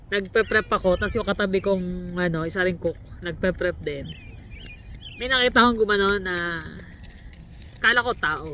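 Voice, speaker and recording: A woman's voice: medium pitch, normal speed, pauses often, a little hiss or hum. A Filipino woman vlogger, a cook, telling a story in a casual chat outdoors and acting out her coworkers' lines. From Philippines. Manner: animated, acts out coworkers' quoted lines. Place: outdoors at sunset.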